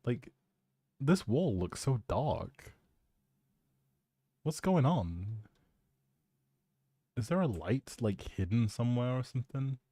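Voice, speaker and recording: A man's voice: medium pitch, expressive, takes it slowly, pauses often, mellow, slightly rough, dry recording, studio quality. A man live streaming, chatting casually in an appreciative, rambling way and thinking aloud as he goes.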